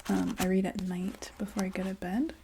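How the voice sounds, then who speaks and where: A woman chatting casually in a soft ASMR voice that often drops into a whisper. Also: mid-range voice, little pitch movement, moderate pace, vocal fry, noisy background. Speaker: ASMR video creator. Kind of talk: soft-spoken ASMR, casual rambling chat.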